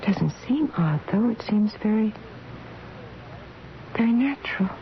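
Radio drama casting: dreamy bedridden woman, slow halting murmur, creaky voice, heavy background noise. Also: mid-range voice, expressive. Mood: dreamy wonder. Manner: hushed, halting, musing to herself. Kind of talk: radio drama interior monologue. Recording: dull, noisy vintage radio broadcast.

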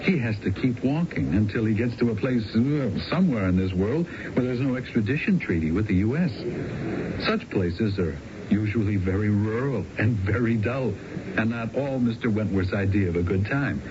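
Through a dull, noisy radio recording comes a cocky American schemer played by a man. The voice is fairly low and swings widely in pitch as he makes his persuasive pitch. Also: lively intonation, moderate pace, lightly acted. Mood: cocky, scheming. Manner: cocky, persuasive, punchy phrasing. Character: smooth-talking male schemer, cocky and persuasive. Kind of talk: 1970s radio drama acting.

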